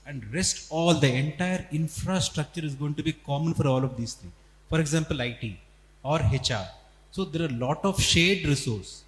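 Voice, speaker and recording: A man's voice: fairly high pitch, animated, moderate pace. A man with an Indian accent, a company executive on an earnings call, explaining things step by step with emphatic repetition. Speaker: company executive answering analysts. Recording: echoey reverberant hall, faint noise and hum.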